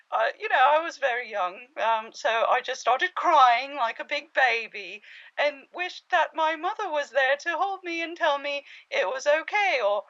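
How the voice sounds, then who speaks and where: A woman performs a plucky young scavenger for a cartoon spoof. Her voice is high and bright, a little muffled by the recording. She talks haltingly and self-effacingly, flustered but upbeat, like someone in casual conversation.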